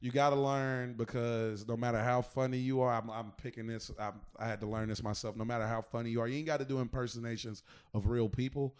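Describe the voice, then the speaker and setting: A comedian in casual chat, telling a story slowly with fillers and pauses. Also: male voice, mid-range voice, clear, resonant tone. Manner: relaxed storyteller, trailing off with fillers.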